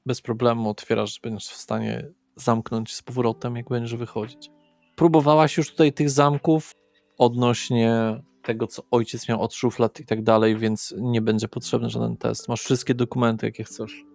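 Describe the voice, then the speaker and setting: A man narrates a tabletop horror role-playing game as game master. His voice stays in a narrow, even range with a lot of fry in it, and music plays underneath. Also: mid-range voice, normal speed. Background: background music.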